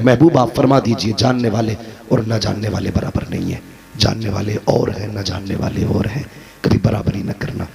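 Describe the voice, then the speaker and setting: A man preaching an emotional sermon to a live gathering, swinging between shouted peaks and quiet, low passages. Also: creaky. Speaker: Islamic preacher. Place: religious gathering with live audience. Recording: live crowd audible.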